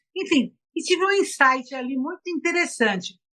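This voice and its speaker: A woman is speaking. Her intonation is lively. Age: 70s. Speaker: motivational speaker. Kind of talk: interview. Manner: conversational with hesitations.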